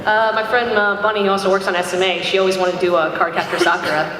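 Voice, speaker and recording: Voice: medium pitch, level tone, very fast. A panelist chatting casually about making a parody series at a convention. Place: large convention panel room. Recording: distant echoey hall, clear background noise.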